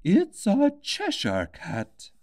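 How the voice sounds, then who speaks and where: A man voicing a rude, haughty noblewoman who speaks slowly and curtly, in a storybook reading. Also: sits high, huge pitch swings, darkish tone, voice pushed up, full character voice. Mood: dismissive. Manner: slow, emphatic, curt.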